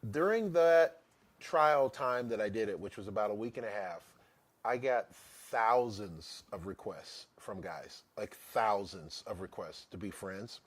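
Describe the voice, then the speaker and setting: Animated man telling a story. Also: unhurried. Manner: animated storyteller, mimics voices in high pitch. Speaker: podcast host. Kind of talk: casual storytelling chat.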